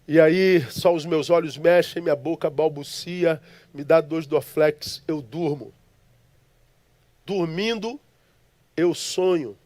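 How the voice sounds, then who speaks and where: Impassioned high-voiced preacher from Rio. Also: male voice, slow, pauses often, a little mellow, no room sound. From Brazil, Rio de Janeiro. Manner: dramatic, impassioned, stammers when moved. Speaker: pastor. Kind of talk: emotional sermon storytelling.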